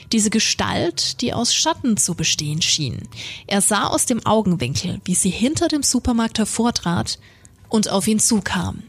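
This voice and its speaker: A woman co-host reading a horror story aloud in a steady, plain reading manner. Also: medium pitch, slightly rough. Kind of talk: scripted narration.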